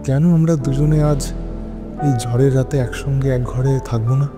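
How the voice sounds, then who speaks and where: An actor playing an anxious husband who narrates a horror audio drama in a brooding, dramatic way with halting phrases. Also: male voice, medium pitch, steady tone, over music, close to an everyday voice. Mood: longing, suspense. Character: anxious husband narrating his haunted stormy night.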